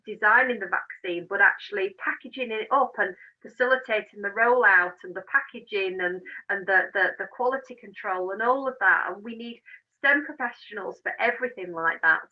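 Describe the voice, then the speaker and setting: With highs cut off from the recording, a woman of medium pitch talks as an interview guest. An engineer and managing director, she gives explanations and advice in a casual, emphatic, encouraging tone.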